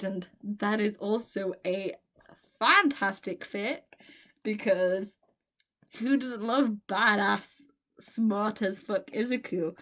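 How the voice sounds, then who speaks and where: A woman's voice: on the high side, a bit bright. A woman host casually reading aloud and chatting about it, gushing and giggly, often stumbling over her words. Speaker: host of a fan fiction reading series. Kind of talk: casual rambling chat and read-aloud with reactions.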